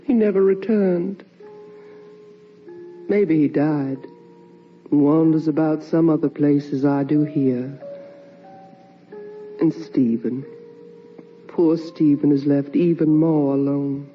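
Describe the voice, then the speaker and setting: An actress playing the mournful, tender ghost of a wife and mother in a theatrical, hushed radio drama monologue. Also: low-pitched, steady tone, soft background music. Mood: grieving. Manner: slow, hushed, theatrical delivery. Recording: muffled old radio recording, distant mic.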